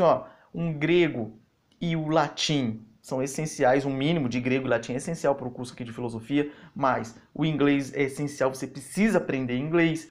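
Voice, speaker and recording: A man with a Brazilian Portuguese accent, hosting his own channel and giving casual, opinionated commentary in reply to comments, talking emphatically and conversationally. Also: medium pitch. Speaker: channel host answering comments.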